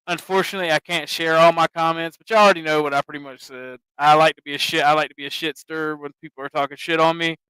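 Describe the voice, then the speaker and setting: A man with a Southern US accent talks over a clip on his stream, animated and mocking. His voice sits a little high and sounds bright and smooth, recorded dry and close. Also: fast, few pauses, no room sound, low-quality recording. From American South. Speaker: streamer host. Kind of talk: casual stream commentary.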